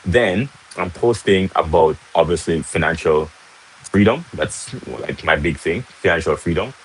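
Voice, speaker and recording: A man's voice: deep voice, lively intonation, measured pace, slightly rough, rough recording. A young man from Jamaica with a Jamaican accent, hosting a casual livestream and chatting to viewers, often tagging on "right?". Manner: chatty, repeats "right?", greets viewers mid-talk. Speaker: livestream host. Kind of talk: casual live-stream teaching. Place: in Jamaica, casual home setting.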